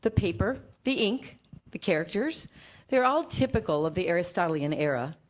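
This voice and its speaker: A woman's voice: lowish voice, lively intonation, normal speed. A woman playing a formal, careful academic in a staged comedy reading, speaking precisely. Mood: earnest, guarded. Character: formal, careful academic translator of ancient scrolls.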